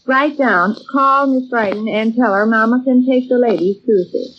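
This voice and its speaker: A woman's voice: a little high, normal speed, lightly acted. An American actress playing a bustling, mildly exasperated middle-aged housewife and mother in an old-time radio comedy serial, chatty and folksy. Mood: brisk, instructing. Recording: muffled, noisy old radio recording.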